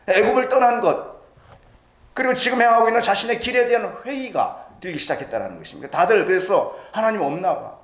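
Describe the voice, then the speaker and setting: Brief: male pastor, sermon delivery, lively rising-and-falling pitch, bit high, roomy church echo. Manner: dramatic preaching, voicing doubters' quoted lines. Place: church sanctuary.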